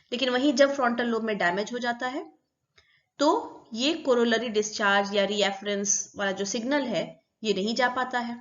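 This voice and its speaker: A woman with a fairly high voice teaches a psychology lecture. She explains patiently, one step at a time, and repeats the key terms. The recording sounds dull and lo-fi. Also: fairly bright tone.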